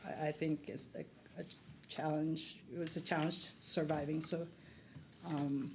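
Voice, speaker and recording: A woman from the Philippines answers interview questions in a lowish voice, pausing often and restarting her sentences. A faint hiss runs under her speech. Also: level tone. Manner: hesitant, many ums and restarts. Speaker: guest, leadership coach.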